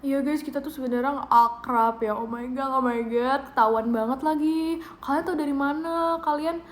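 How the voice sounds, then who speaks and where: A woman's voice: high-pitched, normal speed. A young woman, chatting playfully and giggling on a live stream from a room at home, speaking into a phone mic. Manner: playful, giggly, thanks viewers. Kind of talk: casual live-stream chat. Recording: roomy echo of a small room.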